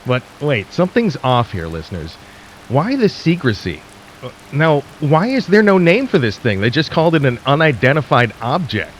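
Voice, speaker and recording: A man's voice: medium pitch, huge pitch swings, rough recording. Man acting as wry, uneasy radio host, hissy background. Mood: wary, suspicious. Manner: wry, conspiratorial, dramatic pauses. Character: skeptical, uneasy male late-night radio host. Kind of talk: radio drama broadcast monologue.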